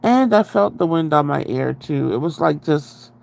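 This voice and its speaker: Congested, nasal man with a gravelly edge. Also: on the high side, animated, moderate pace. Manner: chatty, rambling, greets viewers. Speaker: livestream host. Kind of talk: casual livestream chat. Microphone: very close to the microphone, breathing audible.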